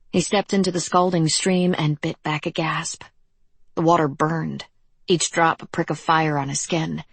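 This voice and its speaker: A woman narrating an audiobook in measured, dramatic scripted narration. Her voice is low and husky, and the recording is dry and close. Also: dry recording.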